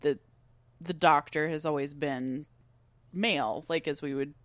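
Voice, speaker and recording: A woman's voice: deep voice, fairly even intonation, a little slow, no room sound. Woman co-host chatting casually, dry sound. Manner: agreeable, frequent short backchannels. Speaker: podcast co-host. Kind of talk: casual chat reviewing a TV episode.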